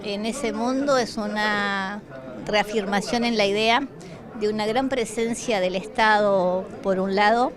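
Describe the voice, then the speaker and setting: An Argentine woman giving a measured, explanatory answer in an interview. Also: medium pitch. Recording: busy crowd behind.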